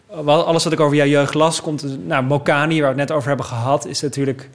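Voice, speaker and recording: A man talks at a moderate pace in an ordinary speaking voice. His pitch is fairly high. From Netherlands, Alphen aan de Rijn. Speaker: podcast host. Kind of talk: interview. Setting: guest's home in Genoa.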